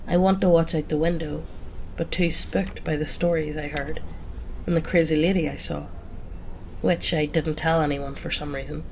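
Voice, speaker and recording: Woman with a cold for calm horror-story narration, deep and gravelly. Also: slight background noise, rough recording. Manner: calm first-person storytelling. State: has a cold. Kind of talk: reading a greentext horror story.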